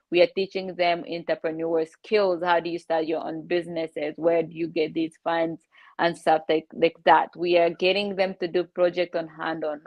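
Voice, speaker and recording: A woman with a Ugandan English accent, originally from Congo, speaks in a low, flat voice. She answers earnestly, with hesitant ums along the way. Her sound is dry and muffled, as if it comes over a remote line. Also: dry recording. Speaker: guest author. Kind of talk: interview answers.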